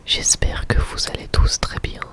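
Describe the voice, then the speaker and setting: A man whispering softly and intimately to his viewers as an ASMR host, giving a review in a breathy, unvoiced voice. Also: unhurried. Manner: soft-spoken, intimate, addressing viewers directly.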